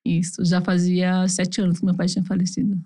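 Speaking in a fairly low, monotone voice with a dark tone, a woman from Brazil tells her personal story as an interview guest on a podcast. She's fast and candid, acting out the things her family said.

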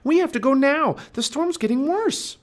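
Man voicing a high, insistent young girl. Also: lively intonation, moderate pace. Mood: urgent. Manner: insistent, urgent calling out. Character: bossy, urgent young girl adventurer. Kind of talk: children's audiobook character voice.

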